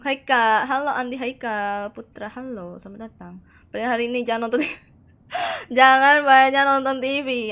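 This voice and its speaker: A woman streaming a horror game live, chatting excitedly, reacting aloud and answering her chat, tossing in Japanese words. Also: on the high side. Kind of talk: live gameplay commentary.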